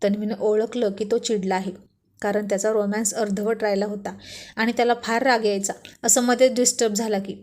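A woman's voice: medium pitch, level tone, fairly quick, darkish tone. A woman narrating a serialized romance story, with chatty asides to the listener.

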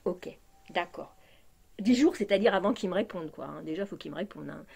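A woman's voice: fairly low pitch, expressive, brisk, gravelly, a little mellow, slightly rough. A woman vlogger ranting in a casual monologue, indignant and exasperated, with many fillers and restarts.

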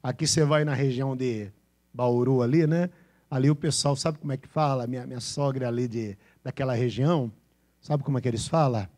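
A man's voice: medium pitch, a little fast, darkish tone. A man preaching a sermon to his congregation in a São Paulo interior accent, playfully imitating regional ways of speaking. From Brazil. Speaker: pastor. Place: church with a congregation.

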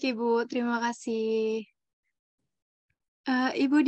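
A polite woman student asks her question over a video call in a high voice. The sound is dry and close, with no room around it. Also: dry recording. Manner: polite, formal. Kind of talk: polite question in online class.

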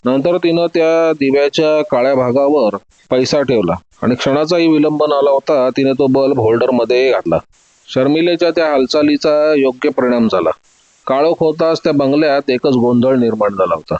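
A man narrating a detective story in a steady, dramatic reading. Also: medium pitch, normal speed, no echo, highs cut off.

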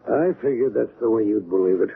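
Sober skeptical buddy in a radio drama, creaky voice, thin noisy old recording. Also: male voice, fairly low pitch, a little fast, exaggerated voice. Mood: sober, resigned. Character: sober, resigned man, a loyal skeptical friend. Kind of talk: 1970s radio drama acting. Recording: narrow-band old radio, background noise.

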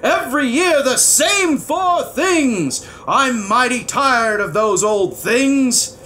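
A man's voice: very high-pitched, lively intonation, slow, bright, forceful tone, a little hiss or hum, voice pushed up, heavily acted. A man voicing an angry, imperious old king in a storybook, growling and bellowing as he stretches out his words.

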